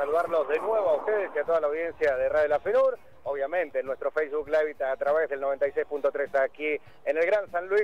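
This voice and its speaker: A man at a fairly quick pace, ordinary pitch variation, very even loudness, a dry sound with no echo, and light background noise. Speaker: radio field reporter. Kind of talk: live news report. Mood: calm, relaxed. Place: street. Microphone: handheld.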